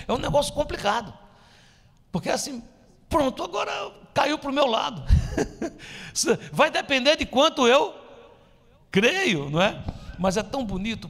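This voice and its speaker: Guy preaching in a church hall, swings loud to hushed, big lively pitch, lots of echo. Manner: emphatic preaching with sudden drops to soft, near-whispered lines. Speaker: pastor. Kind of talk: sermon. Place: church sanctuary.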